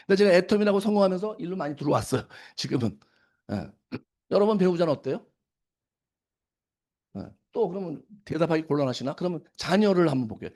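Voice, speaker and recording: A middle-aged man lecturing at a business seminar. His voice sits high and his talk runs quickly. He keeps firing questions at his listeners and answers them himself, and he acts out scolding lines when he quotes people. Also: a little mellow. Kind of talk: lecture to an audience.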